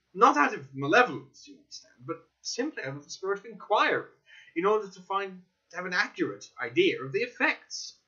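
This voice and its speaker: Wry, cautious gentleman, read by a male performer, explanatory and emphatic, swooping pitch, lo-fi storybook recording. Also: exaggerated voice. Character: Stamford, cautious, wry young gentleman companion. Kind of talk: dramatic audiobook reading. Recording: dull lo-fi recording.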